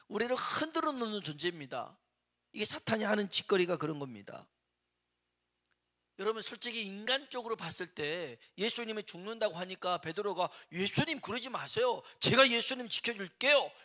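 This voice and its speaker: A man's voice: high-pitched, sharp tone. A man preaching a sermon in a church, teaching from scripture with rhetorical questions and dramatic acted quotes. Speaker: pastor.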